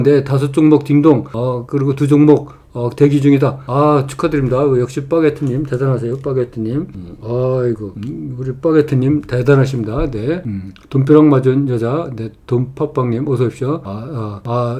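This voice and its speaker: A middle-aged man with a mellow, hoarse voice hosts a live stock trading stream. He greets viewers and reads their comments aloud, stopping often on fillers and restarting his sentences. His pitch sits in an ordinary male range. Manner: halting, many fillers, warm greetings to viewers. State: hoarse throat from pollen allergy.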